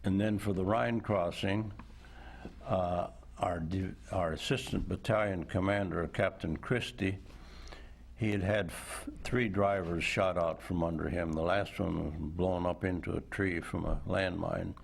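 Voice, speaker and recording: A man in his nineties, a veteran recounting memories as a studio interview guest, unhurried and thoughtful with frequent pauses. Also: low-pitched, steady tone, creaky, slight background noise. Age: 90s. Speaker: war veteran and author. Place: indoor television studio.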